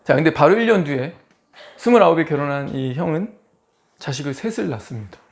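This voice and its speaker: Male pastor, 40s, slightly high voice, animated sermon delivery that keeps asking the congregation questions. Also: a little fast, creaky. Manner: lively, poses rhetorical questions to the congregation. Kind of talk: expository sermon.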